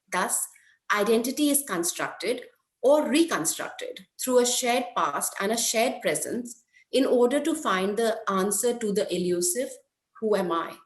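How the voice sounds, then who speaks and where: A woman of middle pitch reads her conference paper aloud, measured and careful, leaning slowly on key words. Her voice rings in an echoey room. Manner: measured, careful reading with slow stresses. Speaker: academic presenter.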